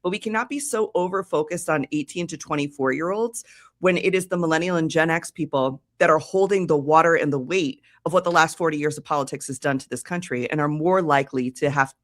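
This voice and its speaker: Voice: mid-range voice, fairly quick, fairly bright tone. Passionate political co-host. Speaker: podcast co-host. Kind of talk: casual chat.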